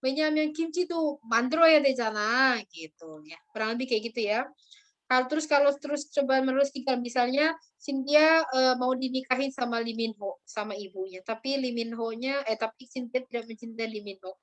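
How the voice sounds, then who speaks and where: A woman teaching a language class, chatty, with many drawn-out fillers, calling on her students by name. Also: a little high. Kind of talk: online class lecture.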